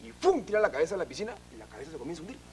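A man comedian telling jokes in an animated way, with spoken sound effects. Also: on the high side, rapid-fire, crowd noise. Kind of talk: stand-up joke telling.

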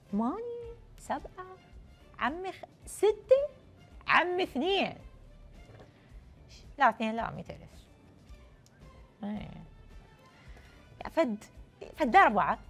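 A woman's voice: fairly high pitch, breathy edge. A young woman with an Iraqi accent hosting a TV call-in game show in a playful, effusive way, often repeating her phrases. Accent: Iraqi Arabic. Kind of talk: lively game show presenting. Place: TV studio. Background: music.

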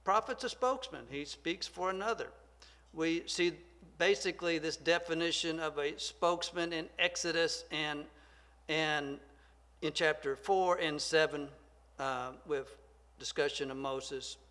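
Older southern guy teaching bible class, soft and slow, lectern mic, echoey church room. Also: a little high. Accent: Southern American. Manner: soft-spoken, measured and deliberate, reads scripture aloud. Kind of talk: Bible study lecture. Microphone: lectern microphone.

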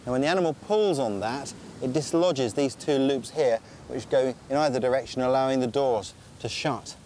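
A man narrates a survival documentary in an even, mid-pitched voice. He works outdoors on a tropical island and explains traps and wild food one step at a time. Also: moderate pace, a little hiss or hum. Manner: calm, explanatory, tells and shows step by step. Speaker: survival expert and presenter. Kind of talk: documentary narration and on-location demonstration.

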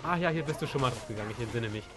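A man's voice: medium pitch, animated, rapid-fire. A young man with a German accent and a cold, joking and complaining playfully while playing a co-op game. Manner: joking, self-mocking complaints. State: has a cold. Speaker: co-player. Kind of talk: casual gaming chat. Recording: game music behind voice.

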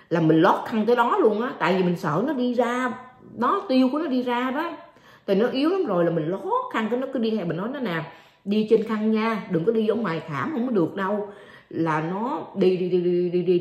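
A middle-aged woman vlogger telling an emotional personal story to her viewers, repeating herself often. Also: medium pitch. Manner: repetitive, addresses viewers as aunts and uncles. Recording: roomy echo.

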